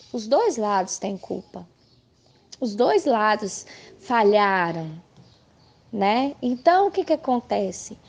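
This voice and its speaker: A woman's voice: fairly high pitch, a little mellow. A woman with a Brazilian Portuguese accent, a Christian ministry leader speaking frankly and emphatically in a personal testimony talk. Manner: emphatic, frank, acts out quoted voices.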